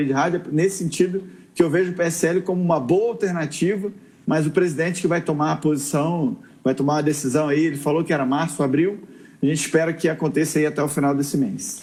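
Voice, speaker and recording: A man speaks at a very fast pace in a Rio de Janeiro accent, his fairly high pitch moving with ordinary variation and his loudness very even throughout. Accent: carioca. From Rio de Janeiro, Brazil. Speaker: federal deputy, politician. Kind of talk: TV political interview.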